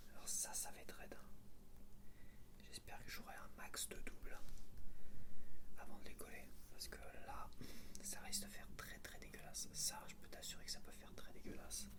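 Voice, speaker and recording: A man whispering casual ASMR commentary, murmuring informally as he thinks aloud. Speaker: ASMR video creator.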